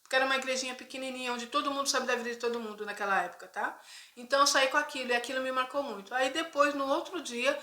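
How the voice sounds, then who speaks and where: Brazilian woman, middle-aged, Christian vlogger: bright, chatty testimony, keeps checking in with viewers, roomy echo. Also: high-pitched, fairly even intonation, very fast. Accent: Brazilian Portuguese. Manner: conversational, frequent tag questions to viewers. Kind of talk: personal testimony storytelling. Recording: echoey room.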